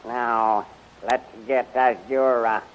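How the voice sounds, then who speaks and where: An actor playing a commanding rebel general in a 1930s radio serial, speaking with deliberate authority. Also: male voice, mid-range voice, fairly even intonation, lightly acted. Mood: resolute. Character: commanding rebel general loyal to his queen. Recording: muffled, hissy 1930s radio recording.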